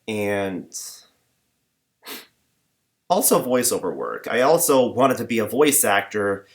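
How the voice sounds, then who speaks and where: A young man rambling in a personal vlog, talking in a flat monotone with many fillers and false starts. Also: lowish voice. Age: young adult. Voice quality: limited, flat range. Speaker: vlogger.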